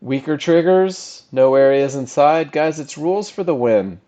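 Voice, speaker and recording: A man's voice: on the high side, lively intonation, unhurried, warm tone. A man giving a live trading lesson as an instructor, addressing a group in short, emphatic phrases and often checking that they follow. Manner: emphatic, with short punchy phrases and rhetorical questions. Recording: slightly dull, lo-fi audio.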